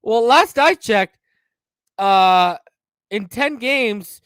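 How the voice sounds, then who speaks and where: Male sports-stream host, high voice, close dry mic, heated and mocking. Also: animated, very slow, clear, resonant tone, dry recording. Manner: heated, mocking, swings from mumbling to loud. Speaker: podcast host. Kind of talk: casual live-stream rant.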